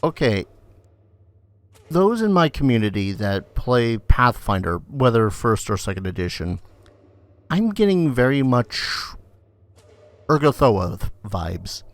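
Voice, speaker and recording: A man's voice: medium pitch, sing-song, slow, long pauses, no echo. A man giving casual let's play commentary, musing aloud in a dry, mildly irreverent way. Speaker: gaming video host.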